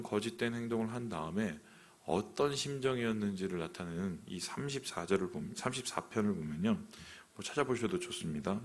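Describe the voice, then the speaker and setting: A male pastor with a lowish voice preaches an early morning sermon, posing questions to the congregation and speaking his inner thoughts aloud. At times his voice drops very soft.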